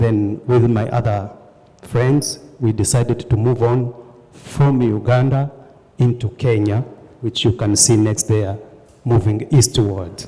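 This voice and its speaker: A man speaks fairly slowly at a medium pitch, his intonation fairly even and his tone dark and mellow. The voice is somewhat breathy, with long, frequent pauses. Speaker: refugee speaker. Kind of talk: testimony.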